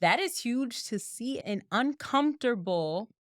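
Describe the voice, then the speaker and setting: A woman's voice: on the high side, expressive, a little slow, dry recording, clean studio sound. A woman in her thirties co-hosting a casual chat, speaking emphatically and jumping into playful made-up examples. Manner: emphatic, jumps into playful hypotheticals. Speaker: podcast co-host.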